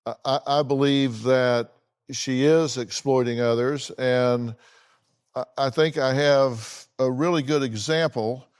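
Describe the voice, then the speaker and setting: A man's voice: mid-range voice, steady tone, takes it slowly, clean tone. A man hosting a talk show panel, putting firm, accusing questions to his guests. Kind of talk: moderating a panel debate.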